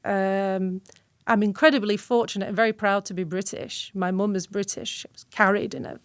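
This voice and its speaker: A woman's voice: mid-range voice, fairly even intonation, moderate pace, clear, resonant tone, no room sound. A woman originally from Syria, speaking earnestly and reflectively as a guest on an interview podcast, often restarting her sentences. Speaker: guest researcher.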